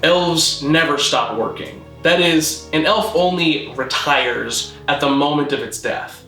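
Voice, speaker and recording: Bright, roomy male explainer voice. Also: a little high, takes it slowly, faint music behind. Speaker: presenter of a constructed-language video. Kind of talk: scripted narration, mock-documentary explainer.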